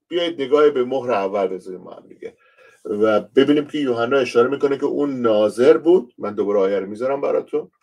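A man from Iran teaches scripture as a pastor in an unhurried online lesson. His voice sits in an ordinary middle range, and he keeps turning to address his listeners as he explains each point. He sounds a little distant from the microphone. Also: mid-range voice, gravelly, a little mellow. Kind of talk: conversational online Bible lesson.

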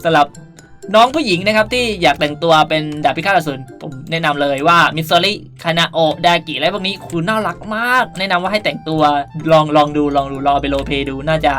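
A woman's voice: deep voice, fast, fairly bright tone. A woman hosting a casual game tutorial in a playful, chatty way with cutesy sentence endings. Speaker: gaming video host. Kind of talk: casual game tutorial commentary, reading out item codes. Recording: music under the voice. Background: background music.

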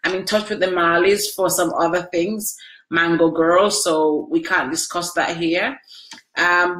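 A sniffly woman chats on a close-range webcam from a small, echoey room at home, hosting a casual live video where she answers viewers. Emotional after crying, she addresses people by name in a lowish voice that's a bit bright.

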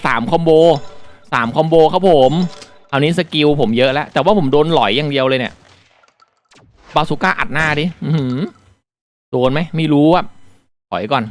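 A man with a fairly high-pitched voice talks through a mobile shooter in a relaxed, polite tone. Once the match starts he reacts loudly and excitedly to every hit and near miss. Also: moderate pace, pauses often. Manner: polite explaining that turns into excited exclaiming during play. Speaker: mobile game reviewer. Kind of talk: casual gameplay commentary.

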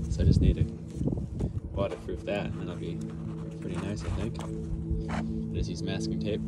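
A man in his thirties vlogging casually from a small sailboat, thinking aloud in a relaxed, rambling way, filmed on a phone at arm's length outdoors. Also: on the low side. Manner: relaxed, thinking aloud, drifting between topics. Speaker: sailing vlogger. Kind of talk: casual vlog narration. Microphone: phone camera held at arm's length. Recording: wind and water noise.

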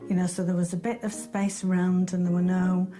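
A woman in her fifties from Leeds, reflective and soft-spoken in an interview at home, on a lapel mic. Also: lowish voice, level tone, fairly quick, faint music behind. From Leeds, England. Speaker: house-hunting guest. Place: indoors at home, living room.

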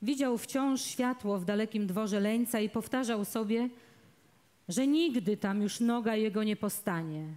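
Brief: female reader, measured dramatic narration of a novel, unhurried, warm and dark. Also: medium pitch. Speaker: reader, actress. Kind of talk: literary reading aloud of a novel. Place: outdoors in a public garden.

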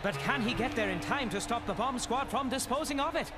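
Excitable high-pitched race commentator. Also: male voice, a little fast. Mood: surprised, reporting. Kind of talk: rapturous sports commentary in a cartoon. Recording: loud music behind commentary.

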